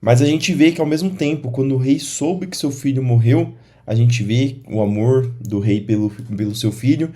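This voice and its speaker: A Brazilian man comments on a scripture reading in an informal, thinking-aloud way. His voice is mellow and dark, at an ordinary pitch. He often stops and restarts his phrases. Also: moderate pace. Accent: Brazilian Portuguese. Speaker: church commentator.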